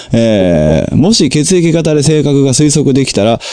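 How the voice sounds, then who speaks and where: Dark and mellow in tone, a man speaks with a Kansai accent. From Kansai, Japan (Amagasaki, Hyogo). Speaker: podcast host and musician. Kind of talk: casual chat. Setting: Skype call.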